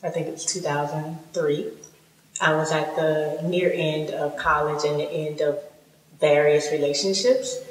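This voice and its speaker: A woman in her thirties telling an interviewer a lively, reflective story about how she found yoga. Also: sits low. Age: 30s. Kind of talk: documentary interview. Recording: echoey hall from a distance.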